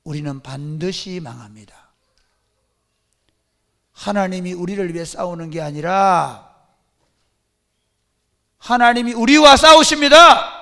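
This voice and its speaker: A man acting out a stern male prophet who warns of doom in a grave voice that builds to shouted rebuke. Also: high-pitched, expressive, takes it slowly, pauses often, long reverb tail, pitched below the performer's own voice, heavily acted. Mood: grave, rebuking.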